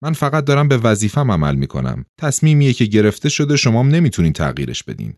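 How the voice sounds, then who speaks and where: A man voicing a calm male official in a white shirt in an audiobook, speaking steadily and firmly without a tremor. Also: mid-range voice, dry recording, studio quality. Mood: cool, firm. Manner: steady, unflustered, firm.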